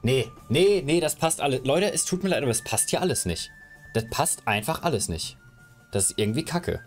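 A man's voice: mid-range voice, animated, a little fast, faint music behind. Rambling young man streaming from home. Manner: chatty, rambling while fiddling with his camera setup. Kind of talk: casual live stream chat. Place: home room, indoors. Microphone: headset.

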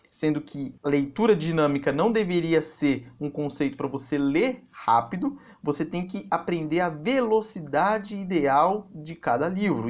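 A man in his thirties commenting on a book in a casual video, explaining with animation. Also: a little high. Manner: animated, gestures while explaining. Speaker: channel host reviewing a book. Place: small office indoors.

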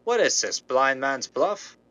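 A man's voice: mid-range voice, big pitch swings, slow, bright, forceful tone, exaggerated voice. An actor playing a wary, grudging crooked businessman with sceptical, clipped tough talk in a 1930s radio drama. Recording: muffled, noisy old-radio sound.

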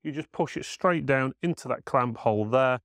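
A man with a medium-pitched voice walks through a product hands-on. He explains things informally and matter-of-factly, like a practical reviewer. The sound is dry, with very little room around it. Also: moderate pace, fairly bright tone, no room sound.

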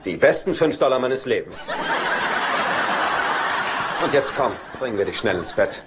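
A male actor plays a laid-back, teasing brother in a TV sitcom. His wry voice moves freely in pitch. The soundtrack is very noisy, with laughter behind him. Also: lively intonation, a little slow, natural voice. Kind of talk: German-dubbed TV sitcom acting.

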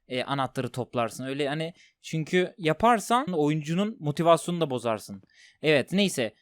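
A man commentating a horror game as he plays, talking to his viewers and jumping into loud yelps when scared. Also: on the high side, smooth, no room sound, studio quality. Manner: talks to viewers while playing, jumpy and loud when scared. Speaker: gaming streamer.

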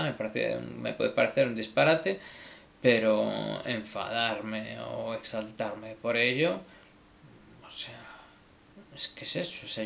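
Man in his own vlog, mid pitch, gravelly, stumbling over words, apologetic. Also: a bit bright. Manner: halting, repeats words, swears casually. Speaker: video creator. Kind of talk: casual apology to viewers.

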